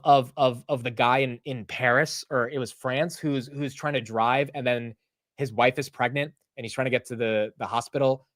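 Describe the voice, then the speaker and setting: A young American man with a mid-range voice chats casually on a livestream. He rants in bursts and swears easily. He sounds close and dry, with no room echo. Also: medium pitch. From United States. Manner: animated, ranting, profane and self-mocking. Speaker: livestream market show host.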